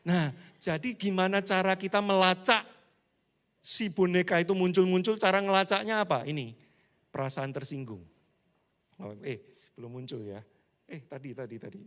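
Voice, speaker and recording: A man preaches to his congregation in an easygoing, humorous way, often slipping into little acted-out complaints. His voice sits a bit high, and it swings from bursts of volume down to near murmurs. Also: moderate pace, pauses often. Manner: humorous, acts out church members' complaints; animated, with swings between loud and hushed. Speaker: pastor. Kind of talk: casual sermon to a congregation.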